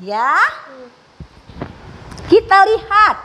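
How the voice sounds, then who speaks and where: A woman teaching young children with special needs in a radio lesson, speaking slowly with exaggerated enunciation and frequent praise. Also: very high voice, very animated, sharp tone.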